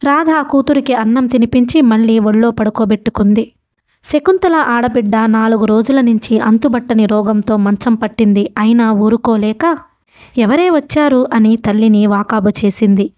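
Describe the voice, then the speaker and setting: Warm-voiced woman reading a novel aloud. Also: fairly high pitch, no echo, clean studio sound. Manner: steady, measured narration. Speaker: narrator.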